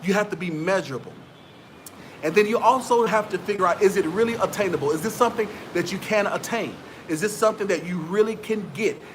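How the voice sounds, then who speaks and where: A man's voice: sits high, brisk, background noise. A man, giving motivational business advice straight to his viewers in a preachy, repetitive way. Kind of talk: motivational talk to camera.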